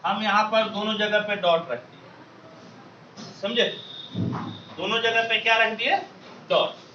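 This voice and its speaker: High, bright teacher drilling a class. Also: male voice, takes it slowly, distant mic, slight background noise. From Bihar. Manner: call-and-response drilling, loud repeated questions to the class. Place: classroom with students. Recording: echoey classroom recorded from afar, dull sound.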